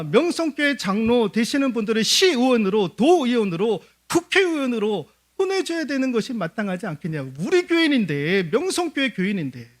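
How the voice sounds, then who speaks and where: A man pastor preaching a sermon at a church service, animated and full of rhetorical questions, often turning to address the congregation. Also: high voice.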